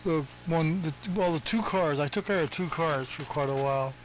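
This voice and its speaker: A man's voice: a little high, moderate pace. An older American man chatting casually over ham radio in a folksy, chummy way. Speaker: amateur radio operator. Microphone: ham radio transmission. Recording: muffled AM radio with loud static.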